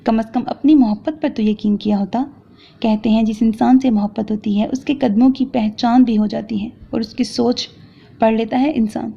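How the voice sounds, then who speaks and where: A woman's voice: a little high, steady tone, creaky, dark tone, husky. Woman voicing an angry young husband. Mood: angry, accusing. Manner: harsh, accusing, lecturing. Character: angry young man berating his wife. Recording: dull lo-fi recording.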